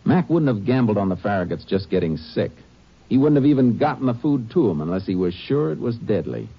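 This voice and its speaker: A man playing a steady, shrewd Texas Ranger in an old radio drama, with an American accent. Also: fairly low pitch, brisk, slightly rough, heavily acted. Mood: probing, resolute. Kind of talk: 1950s radio drama acting. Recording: dull, muffled old radio broadcast.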